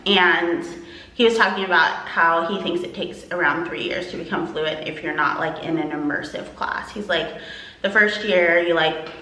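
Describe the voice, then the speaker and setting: A woman's voice: fairly low pitch, moderate pace, sharp tone, echoey room, poor audio. A woman from Texas chatting casually to her vlog camera, rambling with lots of "like" and "um". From Texas, USA. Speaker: vlogger.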